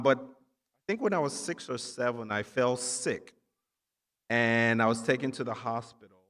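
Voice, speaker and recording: A man's voice: mid-range voice, pushed and bright. Man giving an echoey hall keynote speech. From Nigeria. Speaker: keynote speaker, physician assistant. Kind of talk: ceremony keynote speech to students. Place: large indoor hall at a ceremony. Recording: echoey hall with long reverb.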